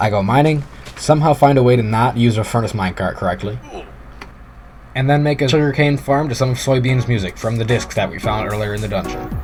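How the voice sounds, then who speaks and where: Music plays behind a man talking at a very fast pace. His pitch is medium, with ordinary variation. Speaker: gaming YouTuber. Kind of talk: let's play voiceover narration.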